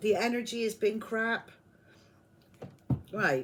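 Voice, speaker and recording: A woman's fairly high voice in a British accent. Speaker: tarot reader. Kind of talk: tarot reading. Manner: stumbling over words.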